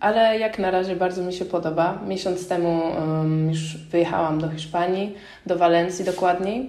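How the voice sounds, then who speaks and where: Amid audible room echo, a woman talks at a moderate pace with fairly even intonation and hardly any pauses. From Poland, Łódź. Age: 20s. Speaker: business student and secondhand clothing shop co-founder. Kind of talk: casual interview.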